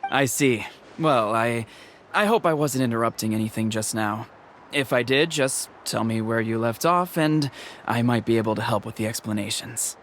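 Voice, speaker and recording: An actor playing a calm, dignified, protective tribal chief in a video game, speaking in a measured, formal way. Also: male voice, mid-range voice, slight background noise, lightly acted. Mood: courteous.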